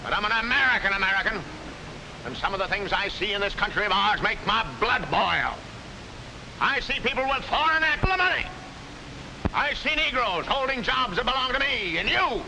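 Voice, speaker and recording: A man's voice: high voice, expressive, normal speed. A man playing a ranting, bigoted street-corner orator in a 1940s film. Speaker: soapbox speaker addressing a crowd. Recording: hissy 1940s film soundtrack.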